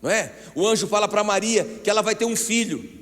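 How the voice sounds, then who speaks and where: A Brazilian man preaching a sermon as pastor, animated and often calling out to the congregation. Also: high voice, fast talker. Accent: Brazilian Portuguese. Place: church hall. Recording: long church hall reverb.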